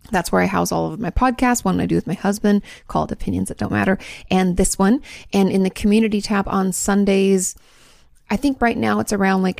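Creaky-voiced woman therapist hosting a podcast. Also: medium pitch, a little mellow, no room sound, clean studio sound. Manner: chatty, self-correcting, laughs at own slips. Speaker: podcast host, marriage and family therapist. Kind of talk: casual chat answering listener questions.

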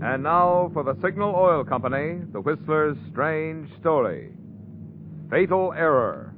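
A man's voice: on the high side, big pitch swings, a little slow. A man announcing for a 1940s radio program in a theatrical, emphatic sponsor style. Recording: noisy, tinny old radio recording.

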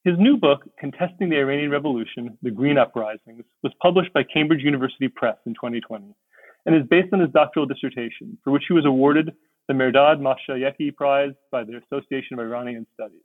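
A man's voice: medium pitch, quick pace, no room sound. A man hosting a podcast, reading a formal, welcoming introduction of his guest. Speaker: podcast host. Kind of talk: scripted introduction. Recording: dry phone-like line.

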